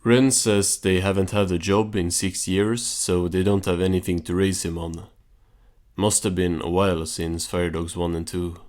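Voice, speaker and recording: A man giving casual, informal recap commentary on a cartoon in a deadpan manner. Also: deep voice, moderate pace.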